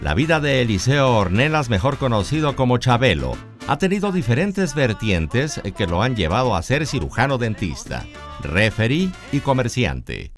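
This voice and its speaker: A man voices a news report in clear, measured narration. His intonation moves animatedly across a middle pitch, and a soft music bed sits faintly behind him. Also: big pitch swings. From Mexico. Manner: measured, announcing delivery.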